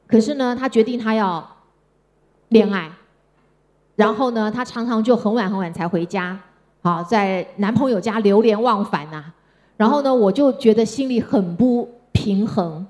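A middle-aged woman from Taiwan, giving a personal storytelling talk in a gentle, conversational way. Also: mid-range voice. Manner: gentle, conversational, with soft sentence-end particles. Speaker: speaker. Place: stage before an audience.

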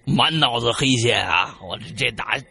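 Gravelly man telling a ghost story. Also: mid-range voice, moderate pace. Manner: animated, dramatic storytelling. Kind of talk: casual spoken ghost story.

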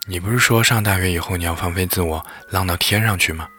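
A man voicing a teasing, sharp-tongued female best friend, blunt and mocking. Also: low-pitched, fast talker, soft background music.

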